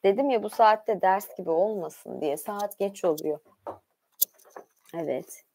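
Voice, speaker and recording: A woman's voice: mid-range voice, dark tone, slight background noise. A woman hosting a livestream, reading aloud and adding informal, conversational asides as she goes. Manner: informal, conversational, often pausing to comment. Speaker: livestream host reading about mythology.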